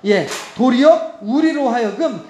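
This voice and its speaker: Male pastor, chatty preacher with frequent laughs and rhetorical questions, voice pitched very high, recorded in a roomy sanctuary. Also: lively intonation, a little slow, darkish tone, a little hiss or hum. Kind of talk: sermon. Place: church sanctuary. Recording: echoey church hall.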